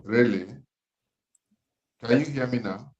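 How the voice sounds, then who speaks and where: A Nigerian man in his fifties, speaking slowly and gravely over a phone call, with an emphatic, almost preaching manner. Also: medium pitch, a little mellow. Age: 50s. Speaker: interviewer on a call. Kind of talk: impassioned questioning, near-sermon. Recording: echoey phone-call audio.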